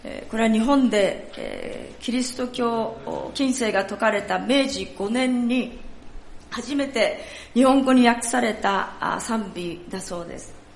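A woman leading a church service, speaking in a polite, formal and measured way. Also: a little high, sing-song, gravelly. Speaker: church worship leader. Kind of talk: sermon talk at a church service. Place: church sanctuary. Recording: echoey church hall, faint noise.

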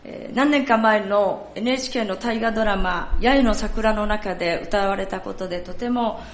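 Polite woman leading a church service. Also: mid-range voice. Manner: polite, formal, measured. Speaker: church worship leader. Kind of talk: sermon talk at a church service. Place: church sanctuary. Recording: echoey church hall, faint noise.

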